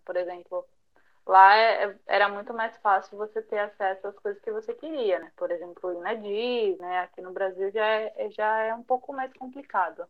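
A woman's voice: a little high, muffled recording. A young woman, a podcast guest talking casually with lots of fillers and light laughs. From São Paulo, Brazil. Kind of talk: conversational interview.

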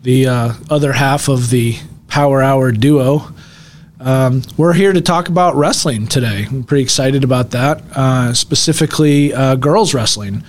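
A man's voice: mid-range voice, normal speed. Male local radio host, casual and self-deprecating, slight background hiss. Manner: self-deprecating, laughs often, stumbles over names.

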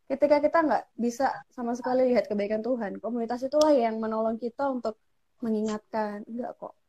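A woman hosting a casual Christian talk, asking her guest questions and prompting with soft hums. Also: fairly high pitch, brisk, highs cut off. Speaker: host.

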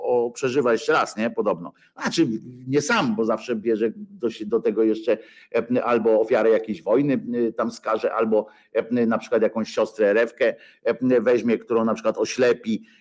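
A man's voice: mid-range voice, steady tone, moderate pace, a little mellow. A man hosting a rambling satirical monologue, sarcastic and profane, full of hesitations and filler sounds.

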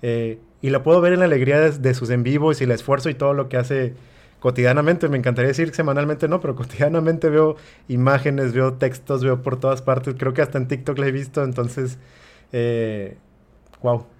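A man's voice: mid-range voice, fairly even intonation, a little fast, darkish tone. Thoughtful man, mid voice. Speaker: podcast co-host. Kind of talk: casual podcast interview.

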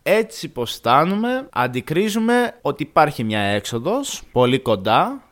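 A man's voice: a little high, very animated, fairly bright tone. A man in his twenties from Thessaloniki, telling a story in a casual way, acting out the dialogue and swearing now and then. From Thessaloniki, Greece. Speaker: vlogger.

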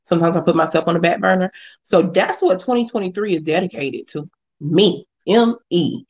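A woman guest on a podcast, speaking in a relaxed, plain-spoken casual chat. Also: on the low side, fairly quick, husky. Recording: dull, muffled audio.

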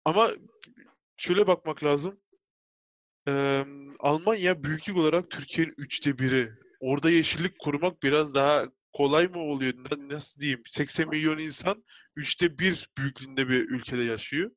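A man's voice: a little high, normal speed, a bit bright, no echo. A man chatting casually, explaining his points in a hedging way. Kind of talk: casual chat.

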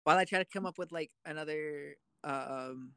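A woman's voice: deep voice, moderate pace, a bit bright, smooth, no echo. Young woman chatting casually, giggly, rambly, lots of likes and ums, dry close mic. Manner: giggly, rambling, many fillers. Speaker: podcast co-host. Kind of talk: casual chat.

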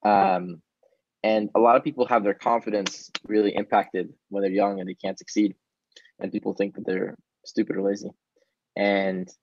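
A man whose native tongue is Hebrew answers interview questions in a casual, earnest way, often pausing with an um. His voice sits on the low side. The recording is dry and a little dull. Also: darkish tone, no echo. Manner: casual, earnest, with frequent ums. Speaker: startup founder.

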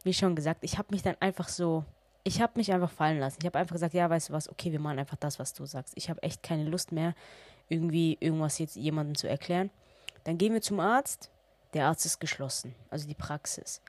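A woman's voice: sits low, quick pace, a little mellow, no room sound. A woman in her twenties from Germany, hosting a podcast and chatting casually through a storytime with lots of quoted dialogue. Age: 20s. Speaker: podcast host.

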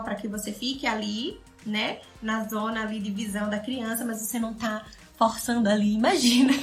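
Brazilian woman educator, bright and sharp, animated live-stream teaching, roomy echo. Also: a little high. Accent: Brazilian Portuguese. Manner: animated, acts out playful narration with loud swings. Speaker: child development educator.

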